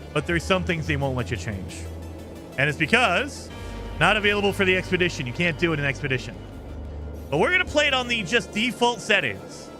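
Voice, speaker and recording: A man streaming a game live, upbeat and chatty, thanking viewers by name and explaining the rules, his voice a little scratchy from days of streaming. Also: high voice. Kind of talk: casual live-stream chat and gameplay commentary.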